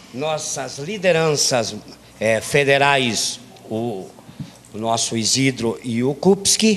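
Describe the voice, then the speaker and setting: Against noticeable background noise, a man speaks at a very slow pace in a medium pitch, using lively intonation and long, frequent pauses. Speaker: city councillor and tax auditor, panel moderator. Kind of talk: panel closing remarks.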